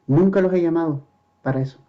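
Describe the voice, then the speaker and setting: Male pastor, earnest sermon voice, fairly high pitch, muffled lo-fi church recording. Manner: earnest, asks the congregation rhetorical questions; slows down to stress scripture quotes. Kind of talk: verse-by-verse sermon.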